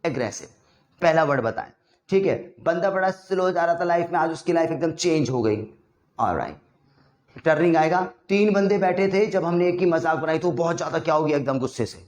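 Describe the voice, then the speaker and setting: Lively man teaching vocabulary, echoey room. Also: a little high, a little fast. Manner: lively, acts out little scenes and quizzes the listener. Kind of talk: casual Hindi lesson with acted-out examples.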